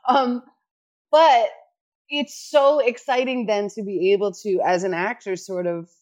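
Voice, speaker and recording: A middle-aged woman from New York City, an actor, chatting casually as a podcast guest, animated and quick to laugh, often restarting her sentences. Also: mid-range voice, dull audio. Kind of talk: casual chat.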